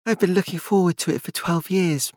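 A man puts on a haughty storybook gentlewoman, vengeful and impatient. The pitch is pushed up, the delivery brisk and disdainful, the recording close and dry. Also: no echo. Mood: haughty impatience.

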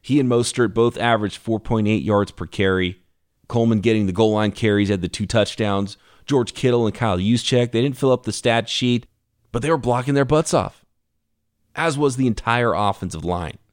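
Guy doing a solo sports pod, kinda hoarse from a cough, lowish voice, dry close mic, energetic and chatty. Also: normal speed, dry recording. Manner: energetic, conversational, emphatic. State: losing his voice from a lingering cough. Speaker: podcast host. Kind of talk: solo sports podcast analysis.

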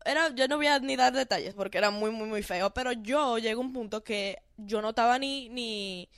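A woman's voice: fairly high pitch, normal speed, a bit bright, no echo, clean studio sound. A woman with a Dominican accent, a podcast guest chatting openly about her own experiences. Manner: chatty, talks through her story openly. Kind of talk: casual podcast chat.

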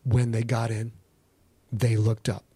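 A man's voice: mid-range voice, completely flat delivery, takes it slowly, warm tone, husky, dry recording. A middle-aged American man giving a theatrical, mock-serious dramatic reading of a story as its narrator. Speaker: author and narrator.

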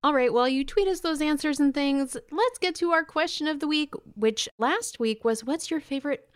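A woman's voice: sits high, moderate pace, dry recording. A woman co-hosting a podcast in casual chat, upbeat and enthusiastic as she reads out listener messages on a studio mic. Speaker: podcast co-host.

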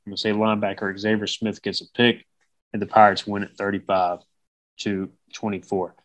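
A man's voice: fairly low pitch, level tone, a little fast, no room sound, low-quality recording. A man with a slightly nasal voice hosting a sports podcast, talking casually through his opinions and game predictions. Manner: conversational, gives opinions and predictions. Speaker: podcast host.

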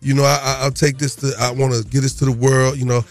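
A man's voice: mid-range voice, level tone, fast. Male morning radio host, African American accent, casual slangy teasing banter, music underneath. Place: radio studio. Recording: music bed behind voice.

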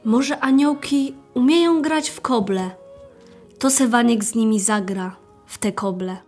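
A woman's voice: a little high, unhurried, soft background music. A young female performer playing an innocent, tender poor child in a radio play, with a Silesian Polish accent.

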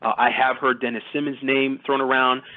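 A man's voice: medium pitch, flat delivery, fairly quick. A man giving casual, detailed sports recruiting analysis as a guest, talking conversationally at length. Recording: thin phone-like audio.

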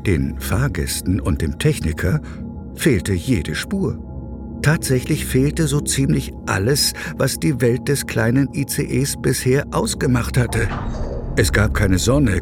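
A man's voice: medium pitch, gravelly. A man narrating a children's audio play in a scripted storytelling style. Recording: music behind the voice.

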